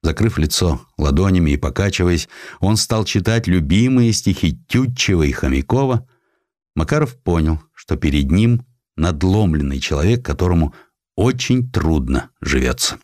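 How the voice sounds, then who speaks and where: A man with a fairly low voice narrates a historical tale in a dry, close recording. His delivery is expressive storytelling with very lively intonation, shaped like a dramatized audiobook. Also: moderate pace, no echo. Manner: expressive storytelling with acted quotations.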